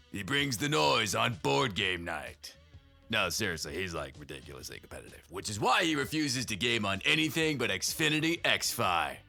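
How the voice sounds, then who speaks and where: Gravelly, forceful man reading an ad. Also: lowish voice. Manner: mock-serious, dramatic. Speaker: commercial voice-over announcer. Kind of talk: scripted comic TV ad narration. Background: music bed.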